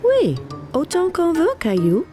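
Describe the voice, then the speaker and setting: A woman's voice: extremely high pitch, wildly swooping pitch, a little slow, over music, full character voice. A woman voicing a patient, encouraging mother who explains things simply in a French-dubbed children's cartoon. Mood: cheerful encouraging.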